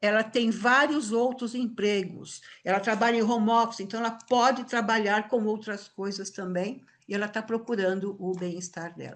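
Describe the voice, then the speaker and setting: A woman has an ordinary speaking voice with a fairly high pitch and fairly even intonation. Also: moderate pace. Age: 60s. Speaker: professor and lecturer. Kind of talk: lecture.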